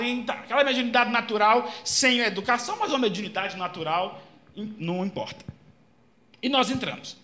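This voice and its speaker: A man giving an animated storytelling lecture at a Spiritist center, shouting out the cries he retells. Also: sits high.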